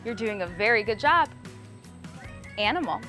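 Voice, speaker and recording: A woman's voice: on the high side, expressive, normal speed, sharp tone, soft background music. A woman teaching children sign language, cheerful and encouraging as she gives step-by-step instructions. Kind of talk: children's lesson. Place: public access TV studio.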